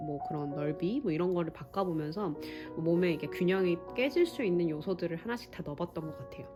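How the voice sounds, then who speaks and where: A woman who directs a Pilates studio, talking reflectively to fellow instructors in a measured way, pausing and correcting herself as she thinks aloud. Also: sits low. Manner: thoughtful, measured, with frequent pauses and self-corrections. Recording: music playing clearly under the voice.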